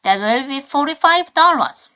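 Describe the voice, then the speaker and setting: Woman, English teacher, video lesson, lively pitch, slightly high voice, slow model sentences. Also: muffled recording. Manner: slow, careful model sentences in English between quick Korean explanations.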